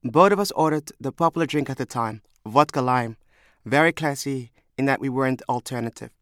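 A young man from Somalia reads a scripted first-person memoir in a measured, reflective way. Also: medium pitch, a bit bright, no echo, clean studio sound. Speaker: storyteller.

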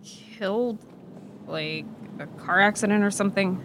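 A woman's voice: measured pace, close to an everyday voice. A woman acting a guarded, skeptical older sister in an audio drama, terse and blunt. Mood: disbelieving. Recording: noisy ambience, vehicle rumble behind.

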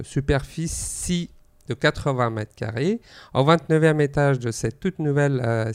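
A man's voice: mid-range voice, darkish tone, clear, resonant tone. A man whose first language is Arabic, reading a news item on a talk show with some hesitations. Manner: reads with hesitations and fillers. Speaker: news segment presenter.

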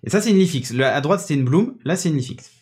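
A man's voice: a little high, lively intonation, fast talker, a little mellow. A man hosting a casual tech podcast, chatty and enthusiastic as he demonstrates a gadget, with plenty of hesitations. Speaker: podcast host presenting a gadget. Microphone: podcast studio microphone on a mixing desk.

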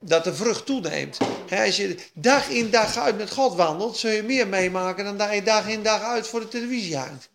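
Woman, preacher, sermon, emphatic, quiet asides and excited bursts, echoey room. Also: mid-range voice, normal speed, vocal fry, few pauses, noisy background.

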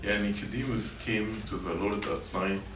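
In a church meeting room, a youth teacher with a lowish voice speaks at a normal pace with fairly even intonation, teaching middle schoolers a sermon. He repeats himself and asks the kids questions; the audio is echoey, faintly noisy, and picked up by a far-off mic.

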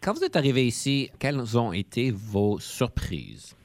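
A man's voice: medium pitch, sing-song, measured pace, dry recording. A man hosting an interview in a studio, opening formally and then asking questions. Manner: formal, welcoming introductions. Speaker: host. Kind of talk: hosted interview.

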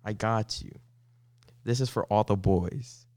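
A young man chatting casually with friends, lively and emphatic. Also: fairly low pitch, a little slow, smooth. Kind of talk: casual chat.

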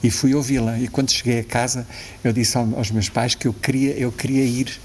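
Fairly quick and mid-range, his voice shows little pitch movement. A man in his sixties with a European Portuguese accent, he's a reflective guest in a casual interview who keeps restarting sentences and laughing softly. A little hiss or hum can be heard.

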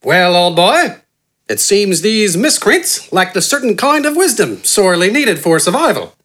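Wither, a silky, eloquent gentleman voiced by a man. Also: high voice, pitched above the performer's own voice, heavily acted. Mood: genteel. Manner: eloquent, relaxed, friendly, rapid and flowery. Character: refined, smiling gentleman doctor, unflappable and verbose.

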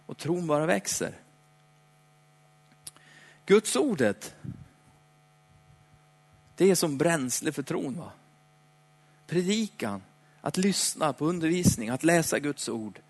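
A man preaching a sermon in a chatty, playful way, slowing down for dramatic emphasis. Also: on the high side, lively intonation. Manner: conversational, dramatic slowdowns, playful asides. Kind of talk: lively sermon. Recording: hall reverb.

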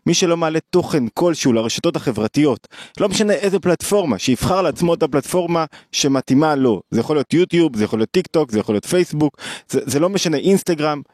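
A man's voice: fairly high pitch, animated, darkish tone, no room sound, studio quality. A middle-aged man delivering a daily video lecture on psychology, emphatic and repeating phrases for stress.

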